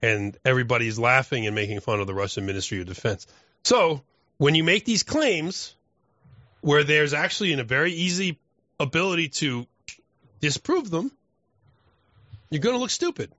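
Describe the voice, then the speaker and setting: Blunt man with a bright, forceful voice. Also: a little high, animated, moderate pace, pauses often, no echo. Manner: blunt, profane. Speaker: podcast co-host. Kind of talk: casual chat. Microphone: close podcast microphone, often spoken into off-axis. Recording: dull close-miked podcast audio.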